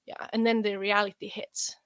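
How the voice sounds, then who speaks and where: A young woman with an Estonian accent, a guest athlete chatting in an interview, relaxed and rambling with many fillers. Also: mid-range voice, moderate pace, clean tone, no echo, clean studio sound. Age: young adult. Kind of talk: casual interview chat.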